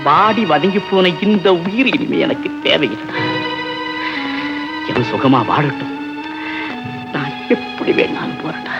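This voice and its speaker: An actor playing a remorseful middle-aged man confessing his betrayal in a heavy, grave way, in 1960s film acting. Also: mid-range voice. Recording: dull old film soundtrack.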